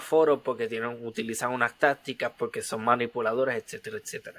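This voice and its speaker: Talking at a fairly quick pace, the man's voice moves through very wide pitch swings. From Puerto Rico. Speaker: history podcast host. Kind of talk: interview conversation.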